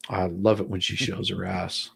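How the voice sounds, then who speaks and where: A man's voice: low-pitched, level tone, normal speed, vocal fry, a bit bright, breathy edge. A man hosting a casual live stream, stumbling and repeating words as he chats with guests. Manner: stammering, repeats words, jokey. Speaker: livestream host.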